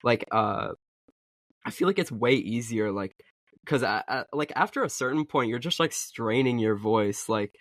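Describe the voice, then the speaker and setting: A young man co-hosting a casual podcast chat, talking in halting stretches full of "like" and "uh". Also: medium pitch, animated, no echo, studio quality. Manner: halting, filler-heavy, lots of "like". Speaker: podcast co-host and video creator.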